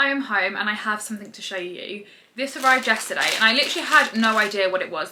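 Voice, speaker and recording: A woman talks fairly quickly, her pitch varying in an ordinary way, with noticeable background noise behind her. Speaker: lifestyle vlogger. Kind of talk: vlog to camera. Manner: fast; animated.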